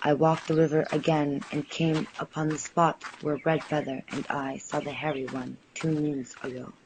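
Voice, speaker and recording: A man voicing a curious, gentle young woman who narrates an audio drama in measured, formal phrases. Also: on the high side, flat delivery, background noise, lightly acted. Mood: quietly resolved. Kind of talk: first-person audio drama storytelling.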